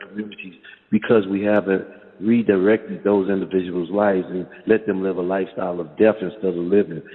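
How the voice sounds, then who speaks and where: At a fairly quick pace, a man talks in a monotone, flat intonation with a fairly low pitch. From Baton Rouge, Louisiana. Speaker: community activist. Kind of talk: interview.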